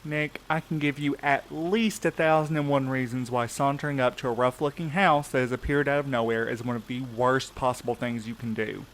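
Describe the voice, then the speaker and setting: A man's voice: mid-range voice, steady tone, a little fast, few pauses, fairly bright tone, a little hiss or hum, lightly acted, poor audio. A man playing a wary, sarcastic night courier in an audio drama, with a wry, informal way of talking. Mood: exasperated. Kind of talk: naturalistic audio drama acting.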